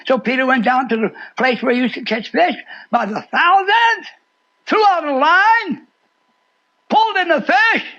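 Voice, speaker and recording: Elderly male preacher in his 80s, very high husky voice, theatrical folksy delivery, muffled lo-fi radio sound. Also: lively intonation, measured pace, sharp tone. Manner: theatrical, acts out dialogue, repeats phrases for emphasis. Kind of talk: folksy storytelling sermon. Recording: dull lo-fi shortwave radio sound.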